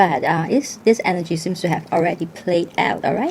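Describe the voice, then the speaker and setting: Noticeable noise fills the background while a woman speaks at a moderate speed. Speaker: tarot reader. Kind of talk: tarot reading. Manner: many fillers and hesitations.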